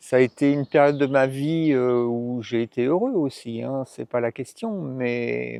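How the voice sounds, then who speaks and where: A man with a medium-pitched voice talks at a very slow pace. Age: 60s. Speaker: vlogger, solo van traveller. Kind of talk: personal vlog monologue. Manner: hesitant, many fillers.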